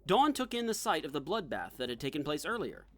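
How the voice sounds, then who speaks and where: A man's voice: fairly high pitch, big pitch swings, a little fast. A man reading scripted comic narration as the narrator of an audio drama.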